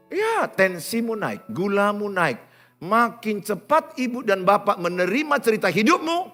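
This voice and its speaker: A male pastor preaching a sermon, dramatic, swinging from loud exhortation to low, intimate talk and acting out his congregants' voices. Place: church auditorium.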